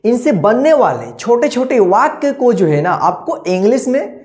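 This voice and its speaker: A woman's voice: fairly high pitch, sing-song, measured pace, a little mellow. A woman teaching an online reading lesson, explaining patiently, repeating herself, drawing out and spelling out words, and often checking that the class follows.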